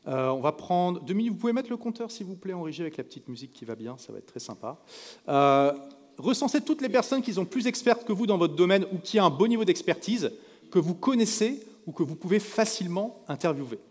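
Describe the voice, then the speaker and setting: A man from France with a slightly high voice tells lively stories to a live crowd from a stage. He acts out the people in his anecdotes. His voice rings with the long echo of a big event hall. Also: a little fast. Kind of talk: storytelling talk to a live audience. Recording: echoey hall reverb.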